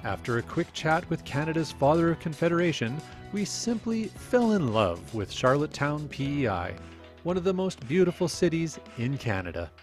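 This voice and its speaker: A man's voice: on the high side, very animated, normal speed, soft background music. A man in his forties hosting a geocaching travel vlog, talking in an upbeat, playful tour-guide way. He films himself outdoors with a camera held at arm's length. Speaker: geocaching vlogger host. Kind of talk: travel vlog with voice-over narration. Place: outdoors at seaside and trails. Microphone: handheld camera at arm's length.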